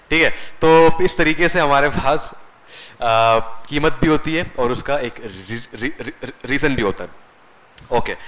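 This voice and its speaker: A man's voice: mid-range voice, fairly bright tone, poor audio. A man teaching a classroom lecture as a computer course instructor, conversational, often asking the class questions and answering them himself.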